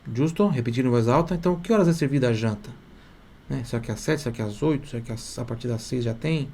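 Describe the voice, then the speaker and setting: A middle-aged man, teaching Italian in a live online lesson, drilling phrases slowly and asking students to repeat them aloud. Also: mid-range voice, darkish tone.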